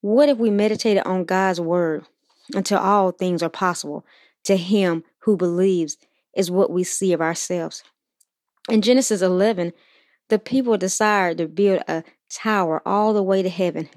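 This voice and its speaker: A woman hosting a Christian motivational podcast, reading scripture and encouraging listeners in an earnest, steady way. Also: lowish voice, normal speed, dry recording, studio quality. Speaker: podcast host.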